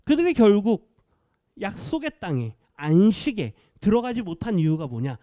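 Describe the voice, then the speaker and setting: A man preaches with a high, lively voice that rises and falls a great deal. His tone is dark and mellow, and the sound is dry and close, with little room reverb. He keeps asking the congregation questions and answering them himself. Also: normal speed. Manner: drops to a quiet, low voice to stress key words. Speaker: pastor. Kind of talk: expository sermon.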